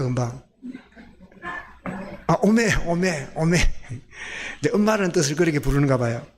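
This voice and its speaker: A male pastor with a Gyeongsang accent preaching a sermon in a folksy way, often asking his congregation questions. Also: high voice. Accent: Gyeongsang Korean.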